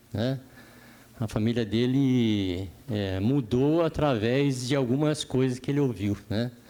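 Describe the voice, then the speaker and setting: At a fairly slow pace, a man with a medium pitch talks with ordinary pitch variation. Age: 60s. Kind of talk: testimony. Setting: dinner event with audience. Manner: hesitant, many fillers.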